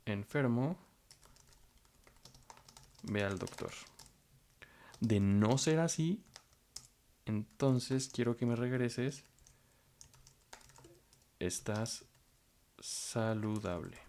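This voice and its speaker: A man's voice: medium pitch, dark tone. A man teaching programming, walking through code step by step and thinking aloud as he goes. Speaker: programming instructor. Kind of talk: screen-recorded coding tutorial.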